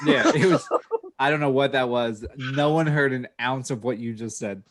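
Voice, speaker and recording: A man hosting a podcast in casual chat, with a dry, deadpan humor. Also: mid-range voice, moderate pace. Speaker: podcast host.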